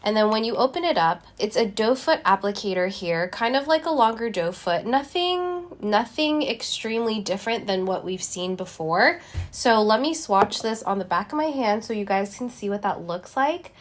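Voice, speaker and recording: A woman's voice: medium pitch, lively intonation, normal speed. Chatty young woman reviewing lipstick. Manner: chatty, talks to viewers while applying lipstick. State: slightly congested from a cold. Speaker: beauty vlogger. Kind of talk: casual product review.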